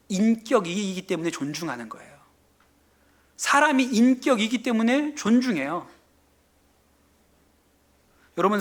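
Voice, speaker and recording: A male pastor giving a sermon in a church, telling stories and acting out quotes in an animated way. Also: sits high. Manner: animated storytelling with acted-out quotes. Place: church sanctuary.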